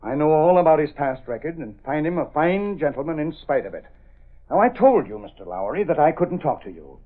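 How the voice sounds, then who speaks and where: A man's voice: fairly high pitch, very animated, fairly quick. An actor playing a stiff, frightened male circus manager in a 1930s radio drama. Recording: tinny old radio broadcast.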